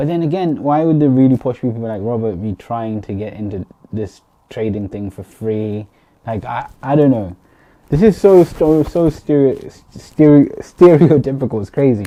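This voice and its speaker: With a London accent, a man speaks at medium pitch in a dark, mellow tone. His intonation is lively, his pace moderate, and his loudness swings widely. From London, England. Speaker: reaction video commentator. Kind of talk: reaction commentary. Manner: animated.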